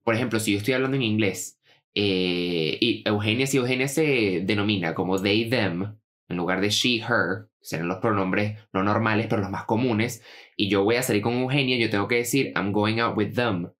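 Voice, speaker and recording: A man's voice: on the low side, moderate pace, fairly bright tone. A man chatting casually as a podcast co-host, explaining things patiently and emphatically. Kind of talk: casual chat.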